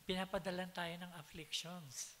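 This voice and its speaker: High bright-voiced preacher man, hall echo. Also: fairly even intonation, normal speed. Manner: storytelling, mixing English phrases, rising to emphatic peaks. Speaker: pastor. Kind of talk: sermon. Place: church hall. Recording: hiss and long hall reverb.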